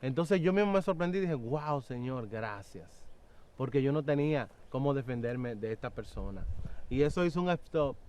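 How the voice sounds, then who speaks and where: Young guy telling his story, kinda high smooth voice, stops and starts a lot. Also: animated, mellow. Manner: earnest, halting, with many fillers and acted-out quotes. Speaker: guest giving testimony. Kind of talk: personal testimony in an interview.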